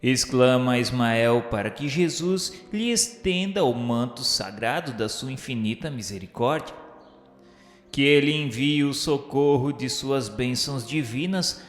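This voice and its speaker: A man's voice: medium pitch, a little slow. A man with a Brazilian accent narrating a scripted radio drama in a solemn, formal, literary way. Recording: echoey long reverb, music behind. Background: music.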